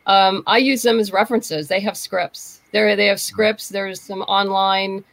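A woman talks casually as a panel guest. Her voice has plenty of vocal fry and sits at an average pitch. The recording is very dry, with no sense of the room. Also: steady tone, a little slow, fairly bright tone, dry recording, poor audio. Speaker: guest, writer. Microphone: video call.

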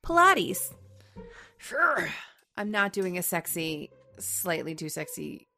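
A woman's voice: low voice, unhurried, a bit bright, soft background music. A woman voice actress recording lines into a studio microphone, playful and self-mocking as she chats between takes. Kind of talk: voice recording session outtakes.

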